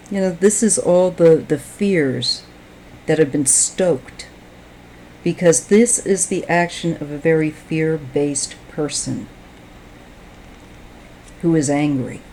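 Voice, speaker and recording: A woman giving a tarot reading, speaking in a slow, halting, reflective way while she is losing her voice. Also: low voice, mellow, a little hiss or hum, rough recording. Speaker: tarot reader.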